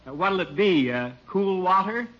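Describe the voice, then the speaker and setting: An actor playing a breezy, money-minded bandleader in a 1950s radio sitcom, wisecracking. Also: male voice, sits high, lively intonation, moderate pace. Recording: dull noisy old radio recording.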